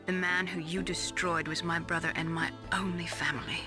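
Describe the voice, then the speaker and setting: A woman voicing a wounded, bitter scientist in a video game, baring her past in a halting, emotional and intense way. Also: fairly low pitch, flat delivery, lightly acted. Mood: bitter, grieving. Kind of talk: dramatic video game voice acting. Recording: dramatic music behind the voice.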